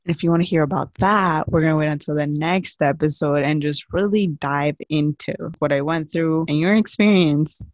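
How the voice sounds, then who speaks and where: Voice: mid-range voice, moderate pace, hardly any pauses, no room sound. A young adult podcast co-host in casual, earnest chat who peppers nearly every phrase with "like". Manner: chatty, earnest, fills speech with "like". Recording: dull, dry lo-fi sound.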